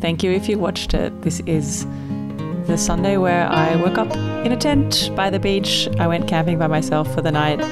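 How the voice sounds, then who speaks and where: The speech moves at a fairly quick pace, with music playing in the background. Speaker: vlogger. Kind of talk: casual vlog narration.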